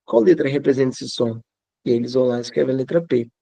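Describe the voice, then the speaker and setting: A man's voice: mid-range voice, fast, vocal fry, warm tone, dry recording. A male teacher with a Brazilian accent, explaining classroom methods conversationally and repeating phrases for emphasis. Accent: Brazilian Portuguese. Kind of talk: teaching tips to fellow teachers.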